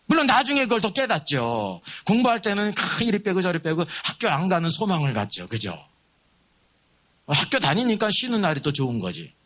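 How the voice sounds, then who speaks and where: A man delivers a sermon in a fairly high voice that swings widely in pitch. He teaches emphatically, posing questions to his listeners and repeating key phrases, on a somewhat dull, lo-fi recording. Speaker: preacher leading a Bible seminar. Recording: dull, muffled lo-fi sound.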